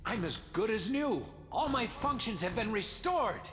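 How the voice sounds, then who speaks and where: Reverberant, high-voiced heroic program. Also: male voice, big pitch swings, moderate pace. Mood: assured. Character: earnest heroic computer program ally. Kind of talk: video game hero acting. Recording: reverberant game audio with music behind.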